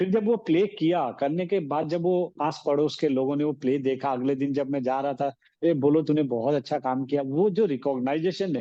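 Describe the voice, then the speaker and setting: Here a man speaks at a moderate pace with hardly any pauses. His pitch is fairly high, with ordinary variation. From Assam, northeast India. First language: Assamese (speaking Hindi). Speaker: actor. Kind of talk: interview. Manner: hesitant, with fillers.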